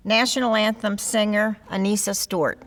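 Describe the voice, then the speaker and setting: A woman announcing a ceremony, reading names and introductions in a measured, formal way. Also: mid-range voice, level tone, over loud music. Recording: long reverb of a large hall.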